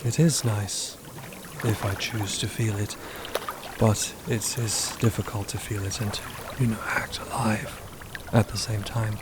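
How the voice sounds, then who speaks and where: A man's voice: lowish voice, level tone, measured pace, very noisy, close to an everyday voice. A man playing a reserved, secretive undead being in a fiction podcast, awkwardly earnest, with a hesitant, formal manner. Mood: quiet reserve. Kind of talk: understated fiction podcast acting.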